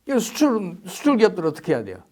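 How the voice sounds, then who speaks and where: Guy w a high lively voice lecturing on economics in an interview, hammering points w rhetorical questions. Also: very fast. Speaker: economics expert guest. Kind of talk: interview answers.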